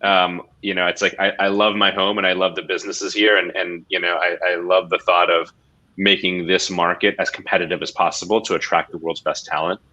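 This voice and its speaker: A man's voice: low voice, flat delivery, a little fast, pushed and bright, highs cut off. A man who grew up in the Philippines and Hong Kong, speaking hesitantly and reflectively on an investor panel. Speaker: venture capital firm leader. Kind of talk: panel discussion.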